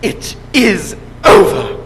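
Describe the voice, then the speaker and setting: An actor playing a jealous, melodramatic lover who slips into Shakespearean declaiming, performed on a school auditorium stage. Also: male voice, high-pitched, big pitch swings, slow pace, full character voice. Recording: echoey auditorium, faint noise.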